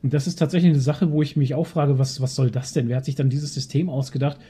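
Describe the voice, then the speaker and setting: A man's voice: mid-range voice, fairly even intonation, quick pace, warm tone, breathy edge. A man hosting a casual podcast chat. He talks with many fillers and rants with frustration. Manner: hesitant, many fillers, ranting. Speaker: podcast host.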